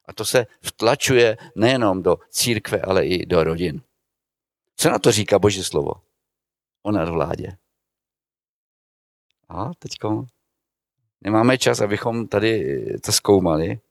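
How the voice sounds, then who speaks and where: A man preaching a sermon to a congregation, putting rhetorical questions to his listeners and swinging between loud, emphatic lines and quiet asides. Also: fairly low pitch, dry recording, studio quality.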